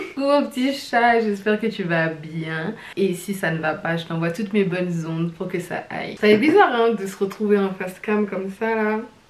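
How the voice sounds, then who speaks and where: A woman's medium-pitched voice at a moderate pace, with hardly any pauses, ordinary pitch variation and noticeable background noise. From Guadeloupe. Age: 20s. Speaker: YouTuber. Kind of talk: sponsored intro talk to camera.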